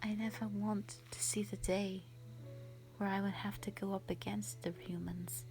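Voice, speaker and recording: A woman acting a gentle, shy white dragon in human form for a roleplay audio drama, soft, breathy and hesitant, with sweet earnestness. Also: medium pitch, little pitch movement, normal speed, faint music behind, close to an everyday voice, poor audio. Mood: soft, wistful. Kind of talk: roleplay audio drama, intimate one-sided dialogue.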